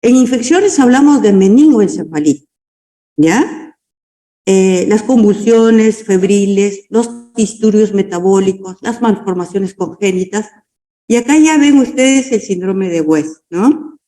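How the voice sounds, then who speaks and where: Woman doctor teaching online, slow, mellow, kinda echoey. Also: mid-range voice, expressive. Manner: dictating slowly, tag questions. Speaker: lecturer. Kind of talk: online medical lecture. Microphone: video call.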